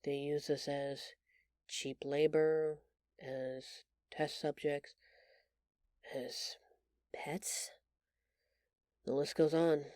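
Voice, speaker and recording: A woman voicing a gentle, timid alien woman in an intimate audio roleplay, speaking hesitantly and earnestly, with tender halting stammers. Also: low-pitched, flat delivery, clean tone, no room sound, clean studio sound. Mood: somber, hushed. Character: gentle, timid bioluminescent alien woman, shapeshifter in human exile.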